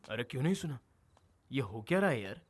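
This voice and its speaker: A man playing a loud lovesick ranter. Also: mid-range voice, big pitch swings, brisk, a crowd in the background, close to an everyday voice. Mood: ranting. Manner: loud, ranting, emotional. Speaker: dubbing voice actor. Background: film score music.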